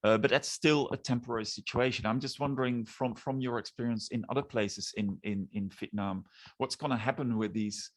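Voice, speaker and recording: A man speaking as a discussant at an academic seminar, in a measured, thoughtful way with frequent restarts. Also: mid-range voice, steady tone. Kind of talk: academic discussion, spoken questions.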